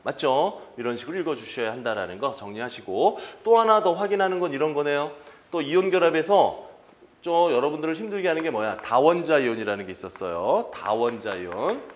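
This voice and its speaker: Lively Korean chemistry lecturer quizzing students. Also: male voice, a little high. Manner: quizzes students with quick rhetorical questions. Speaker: chemistry instructor. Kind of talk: exam-prep lecture.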